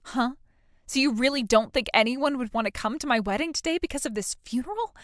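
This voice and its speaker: Woman as entitled bride, whiny and self-pitying, high, dry sound. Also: fairly quick, no room sound, close to an everyday voice. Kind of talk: scripted drama dialogue.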